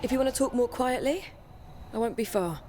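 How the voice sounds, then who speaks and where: Woman acting a friendly, higher-pitched warrior comrade. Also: brisk, lightly acted. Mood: supportive. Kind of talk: video game voice acting. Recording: music behind the voice.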